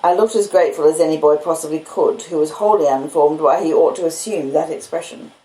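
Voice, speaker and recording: A woman's voice: sits low, quick pace, dark tone, roomy sound, poor audio. A woman with an Australian accent reading a classic novel aloud as scripted storybook narration. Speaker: audiobook reader.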